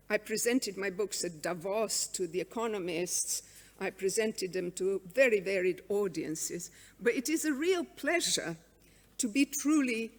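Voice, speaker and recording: A middle-aged woman whose first language is Serbian gives a measured, wry conference talk with frequent ums, on a lectern microphone in a large hall. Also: medium pitch. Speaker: conference speaker. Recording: reverberant hall sound.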